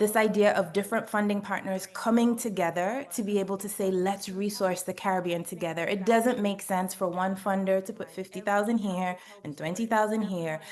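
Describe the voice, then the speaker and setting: A woman talks at a fairly quick pace with hardly any pauses. Her pitch is medium and her intonation fairly even, in an unremarkable speaking voice. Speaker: funder working on Caribbean feminist movements. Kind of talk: webinar panel talk.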